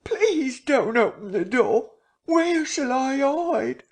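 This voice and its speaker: A man's voice: extremely high pitch, sing-song, slow pace, voice pushed up, heavily acted. A man voicing a weeping, terrified male tramp who shrieks and pleads in panic.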